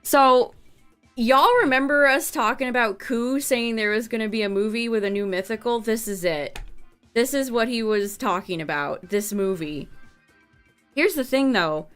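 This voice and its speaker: Young woman streamer, chatty and casual, voice fraying from overuse, smooth clear tone underneath. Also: on the high side, normal speed, a bit bright, soft background music. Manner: chatty, reading out notes with asides. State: losing her voice. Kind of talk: casual livestream chat to viewers.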